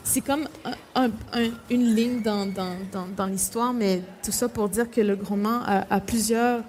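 A woman's voice: a little high, fairly even intonation, a little slow, darkish tone, a little hiss or hum. A young woman, an author speaking with many hesitations and restarts. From Quebec, Innu community. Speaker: author guest.

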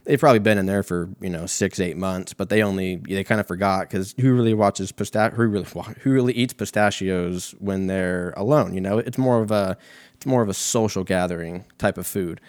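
A young American man with a fairly low voice talks in a loose, profane, slangy ramble. He tells stories like a casual comedy host, and the recording is close and dry. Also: brisk, darkish tone, dry recording. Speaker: host of a comedic talk show.

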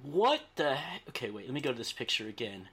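A middle-aged man hosts a casual podcast with a bright, forward voice. He jokes, rambles and cuts himself off as he goes. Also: medium pitch, very animated, quick pace. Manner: joking, rambling, self-interrupting. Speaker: podcast host. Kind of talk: casual interview chat.

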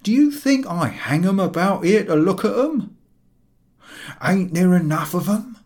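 A man voicing a surly bootmaker with a thick, husky voice, firing off indignant rhetorical questions. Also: mid-range voice, expressive, slow, darkish tone. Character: surly middle-aged male London bootmaker, angry.

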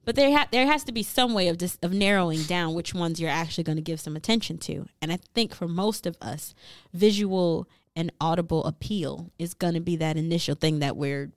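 A woman co-hosting a casual discussion, explaining her views in a steady, reasoned way. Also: lowish voice, fairly quick, dry recording, clean studio sound.

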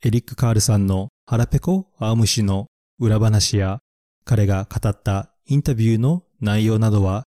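A man hosting a picture-book English podcast, reviewing vocabulary slowly and carefully and repeating English words and phrases for learners. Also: on the low side, fairly even intonation, warm tone, dry recording, clean studio sound.

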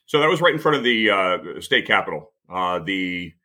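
A man's voice: deep voice, big pitch swings, normal speed, bright, forceful tone. A man speaking as a guest in a casual interview, often restarting and repeating words as he thinks. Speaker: podcast guest, law enforcement trainer.

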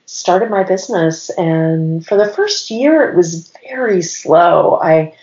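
A woman in her forties with a cold and a slightly raspy voice, telling her story as a podcast guest in long, strung-together sentences. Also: lowish voice, lively intonation, takes it slowly, a little mellow. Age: 40s. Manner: rambling, stacks clauses with "and". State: has a cold. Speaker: podcast guest, business owner. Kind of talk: casual interview storytelling. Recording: roomy, dull lo-fi sound.

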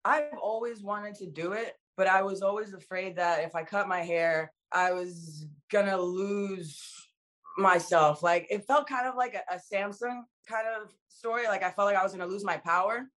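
A young woman from the Dominican Republic, guest in an interview, talking in a casual, slangy, animated way. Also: medium pitch, normal speed. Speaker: actress guest.

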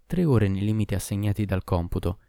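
A man's voice: fairly low pitch, expressive, a little fast, gravelly, warm tone, no room sound, clean studio sound. A man voicing a fussy, long-winded old barber who talks pompously and pedantically in a storybook reading. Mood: pedantic.

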